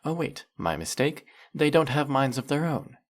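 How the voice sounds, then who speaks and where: A man's voice: fairly high pitch, big pitch swings, normal speed. A man playing a teasing, sarcastic, flirtatious male faerie in a scripted roleplay monologue, scolding the listener with dry, theatrical playfulness. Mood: sarcastic, mocking.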